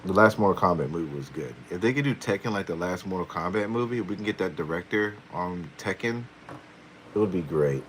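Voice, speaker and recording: A very low-voiced man chats casually on a live stream, answering viewers' questions. He keeps it playful and chuckles often. Faint hiss sits behind his voice. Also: lively intonation, brisk, a bit bright, poor audio. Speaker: tarot reader, live stream host.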